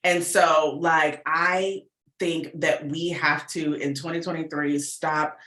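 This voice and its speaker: Here a deep-voiced woman with a bright, forward quality talks slowly as an interview guest on a podcast; she writes and produces audio fiction. Her casual speech is lively and full of slang and performed quotes, with clear room echo in the background.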